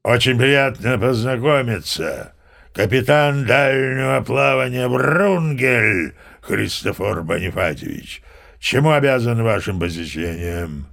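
A man's voice: medium pitch, expressive, slow, vocal fry, fairly bright tone, exaggerated voice. An actor playing a grandiose, boastful old sea captain in an audio play, savouring his phrases theatrically. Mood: formal, dignified. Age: older. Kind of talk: audio play character acting.

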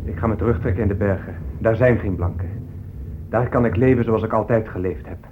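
A man's voice: lowish voice, a little fast, close to an everyday voice. An actor playing a determined, defiant Native American man with an emphatic manner in a radio drama. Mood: defiant, urgent. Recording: muffled lo-fi tape with faint noise.

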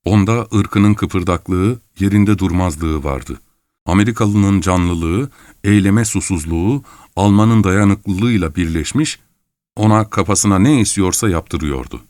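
Male audiobook narrator, measured storytelling, low voice, dry close sound. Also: darkish tone, no echo. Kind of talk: scripted literary narration.

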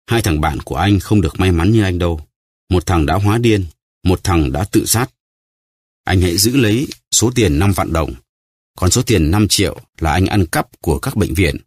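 Man voicing a solemn avenging nobleman, grave, measured, dry close sound. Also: low-pitched, husky, dry recording. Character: stern vengeful male nobleman, solemn.

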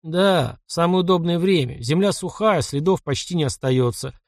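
A man's voice: on the high side, normal speed, no echo, studio quality, pitched above the performer's own voice, natural voice. A man voicing a captured foreign baron, a wary middle-aged man who answers reluctantly. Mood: grudging.

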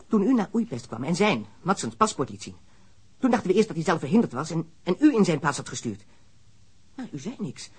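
A brazen, blunt smuggler, played by a man in a radio play, talking fast in a husky, slightly raised voice. He answers the police plainly and without shame, boasting of his own strength. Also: sits high, full character voice. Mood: tense. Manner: frank, matter-of-fact, shameless. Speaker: suspect. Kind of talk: radio drama acting.

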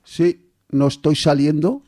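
A man's voice: a little high, slow pace, mellow. A man from Aragón hosting a casual online interview, talking informally and a bit hesitantly over a headset mic. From Aragón, Spain. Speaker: host. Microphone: headphones with mic, remote stream.

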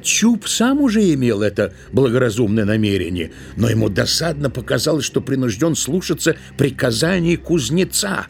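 A man's voice: mid-range voice, sing-song, normal speed, creaky, hardly any pauses, a little hiss or hum. A man narrating a story expressively for an audio drama.

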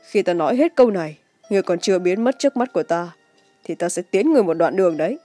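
A woman voicing a calm, cold young male master swordsman who speaks with stoic composure in a martial-arts audiobook. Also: on the low side, faint music behind, lightly acted. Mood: cold, threatening. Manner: composed, measured.

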